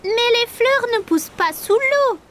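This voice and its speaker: Curious, timid preschool boy, very high bright voice, eager, children's cartoon. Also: animated, unhurried, slight background noise, full character voice. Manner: eager, childlike, wide-eyed questioning. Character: curious, slightly timid four-year-old boy.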